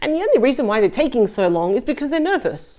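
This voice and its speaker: A woman speaks at a high pitch with very wide pitch swings. Her tone is dark and mellow. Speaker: tarot reader. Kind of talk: tarot reading. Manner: fast; casual, chatty.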